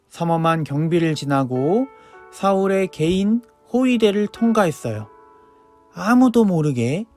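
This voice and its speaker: Male children's preacher, higher voice, lively storyteller, soft music underneath.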